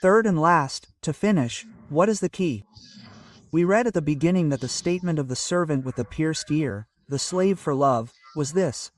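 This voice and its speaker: A pastor preaching a sermon in a measured way, citing scripture as he goes. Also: fairly high pitch, animated, dry recording, distant mic.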